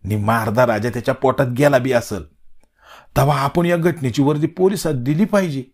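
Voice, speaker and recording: A man's voice: medium pitch, fairly quick, a little mellow, breathy edge, natural voice. A man voicing an anxious village man with a rural Marathi dialect who keeps pleading to go to the police. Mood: worried. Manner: fretful, pleading.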